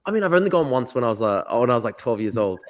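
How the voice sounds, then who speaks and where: A quick-talking man hosting a podcast interview, his sentences tumbling out in a loose, rambling way. He leans heavily on "like" and circles around his point before reaching his question. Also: medium pitch, sing-song. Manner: rambling, heavy use of "like". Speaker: podcast host. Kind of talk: casual interview.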